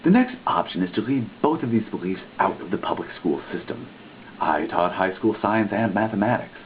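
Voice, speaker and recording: A man giving a theatrical, mock-dramatic reading of a written text, with big swings in pitch and stress. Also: expressive, normal speed. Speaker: reader. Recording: tinny lo-fi recording with faint noise.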